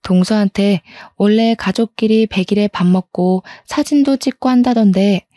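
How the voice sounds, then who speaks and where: Female narrator for a scripted first-person story; steady, even telling, mellow voice, dry recording. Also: mid-range voice, moderate pace, dry recording.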